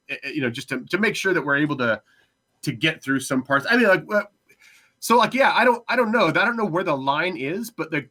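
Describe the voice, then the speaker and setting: A man with a bright, forward voice of middling pitch talks casually as a podcast panelist. He circles his point, hedging and repeating words as he goes. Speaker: panelist on a podcast discussion show.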